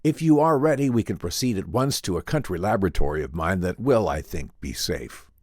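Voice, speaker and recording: A man puts on a learned male professor with a low voice and animated intonation. He explains things formally and earnestly, choosing his words with deliberate care, in the manner of an old-time radio drama. The sound is close and dry. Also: no echo. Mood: brisk, official.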